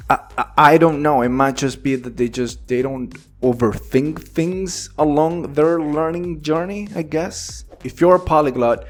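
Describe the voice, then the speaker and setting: A man whose first language is Spanish, giving an earnest, encouraging English lesson straight to the viewer with animated delivery. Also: fairly high pitch, unhurried, hardly any pauses, soft background music. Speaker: English teacher. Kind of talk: direct-to-camera English lesson.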